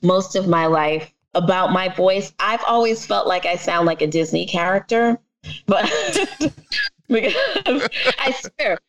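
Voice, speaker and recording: A woman's voice: mid-range voice, big pitch swings, slow pace, rough recording. A woman from the Bronx with a New York accent, a podcast guest chatting casually, laughing often and talking in long winding sentences. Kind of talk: casual conversation.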